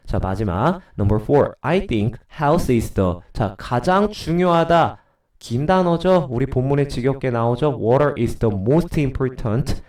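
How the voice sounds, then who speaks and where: A man's voice: medium pitch, animated, slow, darkish tone, recorded from a distance. A middle-aged man with a cold and a stuffy nose, teaching English grammar to middle schoolers in a recorded lecture, chatty and answering his own questions.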